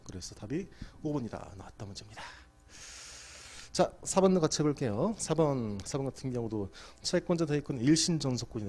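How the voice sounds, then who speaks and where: A man's voice: medium pitch, a little mellow. A middle-aged man giving an exam prep law lecture, quizzing students and answering his own questions.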